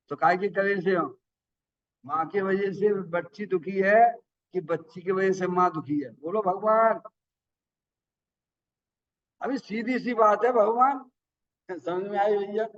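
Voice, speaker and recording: दूर से सुनाई देता प्रवचन करता पुरुष. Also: male voice, sits high. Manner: folksy, asks the audience questions. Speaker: Jain preacher. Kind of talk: sermon. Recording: dull sound from far off the mic.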